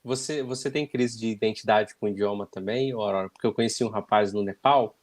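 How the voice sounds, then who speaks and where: A man's voice: on the low side, fairly quick. A man hosting a live stream, casually asking questions and reading out viewer comments. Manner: relaxed, asks follow-up questions, laughs.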